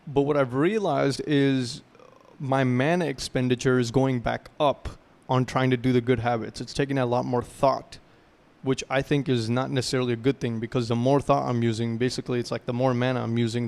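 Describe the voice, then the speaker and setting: A man's voice: medium pitch, level tone, a little fast, creaky, darkish tone. A young man giving a casual self-improvement talk to camera, loose and rambling, often checking in with "right?" and explaining through gaming comparisons.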